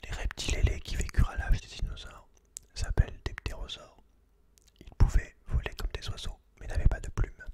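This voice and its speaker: A man speaks in a breathy, voiceless whisper, hosting ASMR. He moves between reading aloud and informal, slangy remarks addressed straight to the listener. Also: moderate pace, darkish tone. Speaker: ASMR video host.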